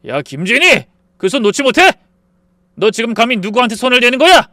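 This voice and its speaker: A man playing a young husband who shouts at his sister and turns heavy and resigned. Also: sits high, animated, fairly quick, no echo, studio quality. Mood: furious. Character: enraged then broken husband, young man, stern.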